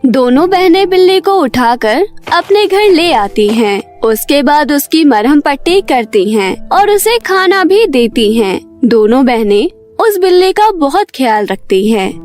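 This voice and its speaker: Animated, high-pitched woman storyteller. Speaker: narrator. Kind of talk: scripted cartoon story narration.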